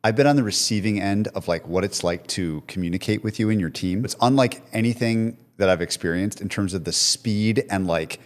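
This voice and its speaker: A man's voice: lowish voice, fairly quick, hardly any pauses. A man hosting an interview, asking curious, probing follow-up questions. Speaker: podcast host.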